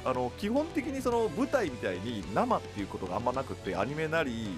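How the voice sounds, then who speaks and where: A man's voice: mid-range voice, wildly swooping pitch, fairly quick, over music. A young man hosting a radio show in a studio, playful and jokey, laughing often. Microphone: boom studio mic.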